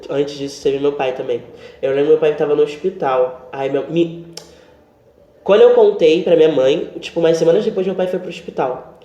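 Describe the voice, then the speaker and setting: Young Brazilian man, podcast co-host, fast and lively, mellow tone; roomy, muffled home recording. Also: a little high. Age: young adult. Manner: animated, acts out quoted dialogue. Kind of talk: casual storytelling chat.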